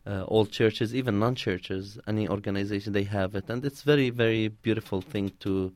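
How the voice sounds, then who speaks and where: Low-voiced man, close dry sound. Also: moderate pace, darkish tone, no echo. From Palestine. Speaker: interviewee, community organizer. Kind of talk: conversational interview answers, telling personal stories.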